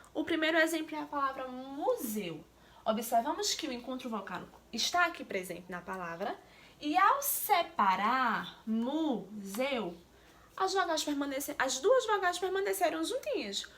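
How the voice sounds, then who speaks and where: Her voice sits high and sounds a bit bright. This woman is a primary school teacher teaching young children remotely, explaining each step and often putting questions to them.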